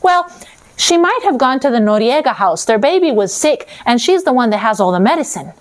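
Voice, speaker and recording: A woman's voice: big pitch swings, a little fast. A woman voicing a tiny, vague little girl in a told folk tale. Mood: innocent. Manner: shrill, childlike, vague.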